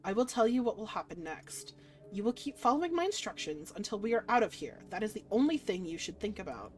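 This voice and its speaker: A woman's voice: mid-range voice, very animated, a little fast, a little mellow, soft background music, natural voice. A woman voicing a cold, aloof god in a visual novel, speaking in a curt and imperious way. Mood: stern, threatening. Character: cold, commanding, aloof young god of Limbo.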